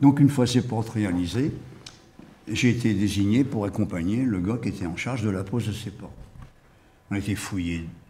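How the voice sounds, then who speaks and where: In a room with audible echo, a man with a fairly low, somewhat breathy voice and a dark, mellow tone talks at a moderate pace with ordinary pitch variation. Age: 80s+. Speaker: war veteran, former resistance fighter and deportee. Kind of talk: testimony to school students. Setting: school classroom with students. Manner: halting, frequent repetitions.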